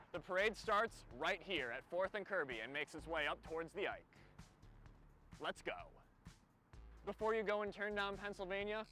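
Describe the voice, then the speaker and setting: A young man reporting outdoors with a playful, goofy streak and a high, lively voice that swings all over. Clear music plays behind him. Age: young adult. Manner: playful, goofy, shouting cheers. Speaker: student reporter. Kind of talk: upbeat field segment. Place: outdoors on campus.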